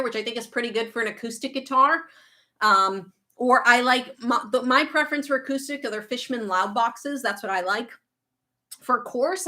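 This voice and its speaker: A woman's voice: fairly high pitch, bright, forceful tone. A woman in her thirties with a faint Boston accent, a guitar teacher chatting casually on a livestream and answering viewer questions. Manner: chatty, reads out viewer comments, quick asides.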